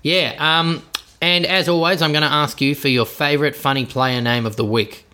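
A man's voice: a little high, fairly even intonation, moderate pace, pushed and bright. An Australian man co-hosting a podcast, chatting casually in a jokey way. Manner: jokey, laughs easily. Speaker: podcast co-host. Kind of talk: casual comedic banter.

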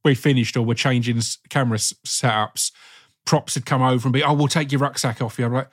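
A man's voice: medium pitch, fairly even intonation, fast talker. A man with a stammer who repeats sounds and words, talking casually and earnestly as an actor hosting an interview.

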